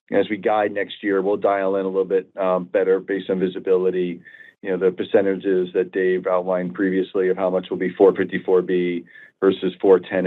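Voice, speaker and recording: Male executive, deep flat delivery, measured financial explanations, phone-conference audio. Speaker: company executive answering analysts. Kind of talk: measured earnings call explanation. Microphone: phone conference call. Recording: narrowband phone conference line.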